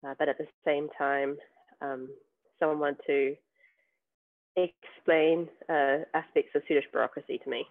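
Over a tinny remote call that sounds like a phone line, a New Zealand man appears as a podcast guest and chats casually about his work as a software tester. His voice is a little high, flat, and measured, and he hesitates often, with lots of ums and restarts.

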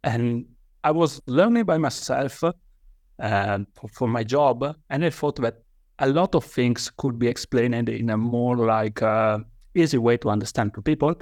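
Recorded with studio quality and no echo, a guest author from Italy talks in English on a podcast, his mid-range voice darkish in tone and measured in pace. He hesitates a lot, restarting sentences and leaning on fillers, all in an Italian accent.

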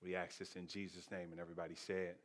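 A man preaching as a pastor, telling stories in deliberate short phrases with pauses for emphasis. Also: sits low, level tone. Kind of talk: sermon with storytelling.

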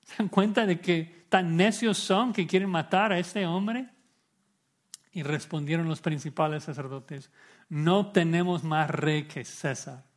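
A male pastor preaching an expository sermon with emphasis, rhetorical questions and repeated phrases. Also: a little high.

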